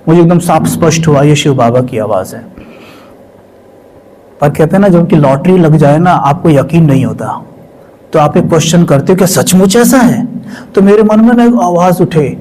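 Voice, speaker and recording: Man telling a spiritual story in a slightly high voice. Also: slight background noise, poor audio. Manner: emotional, drops to hushed tones for quoted voices. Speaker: spiritual speaker. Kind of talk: personal testimony storytelling.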